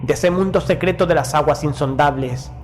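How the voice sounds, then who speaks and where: A man's voice: fairly high pitch, a little hiss or hum, natural voice. A man playing a proud, doomed Prussian naval officer, narrating a horror audio story in a solemn, formal manner as madness haunts him. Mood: stoic resolve. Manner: solemn, formal, measured diction. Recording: music behind the voice. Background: music.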